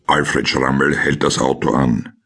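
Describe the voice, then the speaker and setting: Ein Mann mit österreichischem Akzent und rauer Stimme, der sachlich und trocken die Szenen eines Krimi-Hörspiels erzählt. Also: male voice, rumbling low, steady tone, measured pace, fairly bright tone. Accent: Austrian. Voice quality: gravelly, husky. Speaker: narrator of a crime audio drama. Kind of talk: scripted scene narration in present tense.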